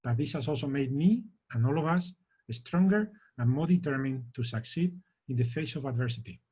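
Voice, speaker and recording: A middle-aged man speaks as the head of a college, delivering a formal welcome address in a measured, earnest way. His voice has a husky, slightly breathy texture at an average pitch for a man. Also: lively intonation, warm tone.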